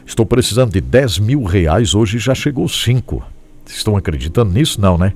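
A man's voice: lowish voice, very animated, a little fast, darkish tone. A man with a Brazilian Portuguese accent, a pastor preaching and appealing for donations in an emphatic storytelling manner with rhetorical questions to his listeners. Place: small home studio room.

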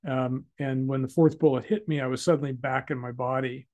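A man, a guest in an interview, calmly telling a personal story with hesitant fillers. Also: medium pitch, brisk. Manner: calm and reflective, with hesitant fillers.

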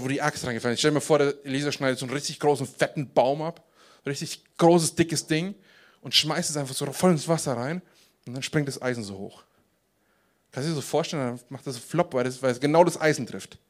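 Animated young-sounding preaching man. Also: a little high, a little fast. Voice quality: casual, animated preaching with English slang. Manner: acts out voices, drops to quiet intense prayer tones. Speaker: pastor. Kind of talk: sermon.

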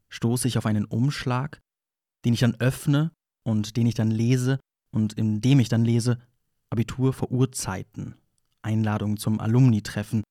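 A man's voice: mid-range voice, a little mellow, no room sound, lightly acted. Guy acting wry self-deprecating guy rambling through an audio play monologue, dry close sound. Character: wry, wounded man who was once an hourglass, confessing in therapy. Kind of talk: audio play monologue, ironic first-person storytelling.

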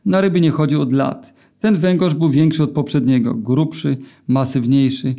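A man reading his own short story aloud in a deadpan way, with filler hesitations. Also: a little high, normal speed, gravelly. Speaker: narrator.

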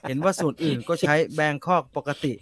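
A man in casual chat, talking bluntly and crudely with quick joking retorts. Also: fairly high pitch, fairly even intonation, fairly bright tone, no echo.

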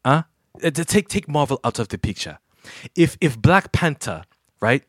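A man doing a scolding Nigerian man who stammers and repeats himself as he rants. The pitch swoops widely, and the sound is dry and close. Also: big pitch swings, moderate pace, dry recording. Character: scolding Nigerian man ranting at a rival fan. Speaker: podcast co-host. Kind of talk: comic rant on a podcast.

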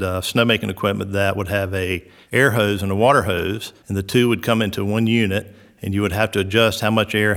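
Middle-aged Southern man, low-pitched, easygoing, filler-heavy, heard with long reverb. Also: fairly bright tone. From South Georgia, US. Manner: unhurried, lots of "uh" and "um" fillers. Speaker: resort recreation director. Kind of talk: relaxed interview answers.

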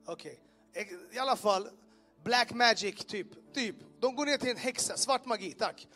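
A man telling his personal testimony to a live audience, animated, asking listeners questions and making sound effects. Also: high voice, soft background music. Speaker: speaker giving a personal testimony. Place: in front of an audience in a room.

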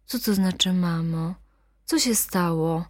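A woman's voice: on the low side, takes it slowly, no room sound. Woman voicing a young wife, hard and defiant, dry close voice, audiobook scene. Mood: worried.

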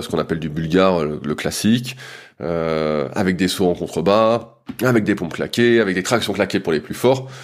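A man, a strength coach, explaining training in a loose, casual way with frequent hesitations and fillers. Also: deep voice.

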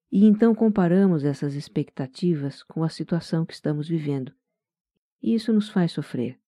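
In a soft-spoken, calm and gentle way, a speaker with a Brazilian accent leads a guided meditation resembling scripted relaxation narration. The voice is mid-range, very dark and velvety. The recording is close and dry, with no room around it.

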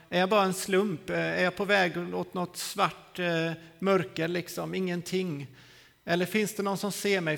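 Preacher, 40s, man; high gravelly voice with long church reverb, vivid storyteller. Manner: lively storytelling, acting out scenes. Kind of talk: sermon testimony. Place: church hall.

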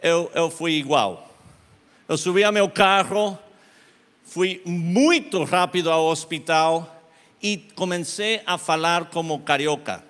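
A man preaching a sermon and telling a story, impassioned, his voice swinging from hushed to loud. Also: on the high side, in a large hall.

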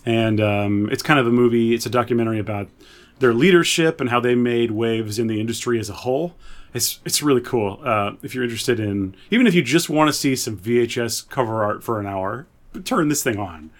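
A man's voice: mid-range voice, a little fast. Man, mid-range voice, podcast host, casual movie chat, conversational.

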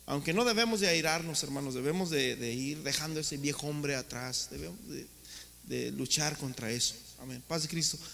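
A man's voice: on the high side, normal speed, vocal fry, fairly bright tone, big-room sound, slight background noise. A man preaching a sermon as pastor, asking rhetorical questions and calling the congregation brothers. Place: church hall.

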